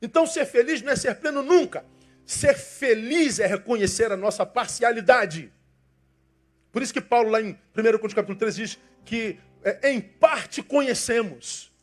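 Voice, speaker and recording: Impassioned high-voiced Brazilian pastor preaching. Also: male voice. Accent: Brazilian Portuguese. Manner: impassioned preaching, swings from loud emphasis to soft asides, acts out church members. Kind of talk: sermon.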